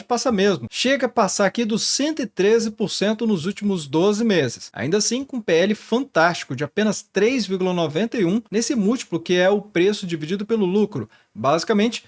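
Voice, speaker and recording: A Brazilian man hosting a finance channel, explaining stock market analysis and walking the viewer through charts and figures. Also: high-pitched. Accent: Brazilian Portuguese.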